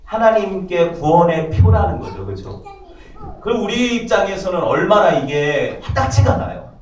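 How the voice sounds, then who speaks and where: A man preaching a sermon as pastor, in a lively conversational way, often asking the congregation questions. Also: sits high, normal speed, a little hiss or hum. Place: church sanctuary. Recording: echoey church hall, mic at a distance.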